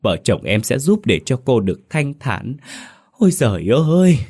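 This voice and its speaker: A man voicing a grieving village wife who wails her lament in a high, loud voice. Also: very animated, moderate pace, slightly rough. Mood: wailing grief. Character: wailing grieving middle-aged village wife.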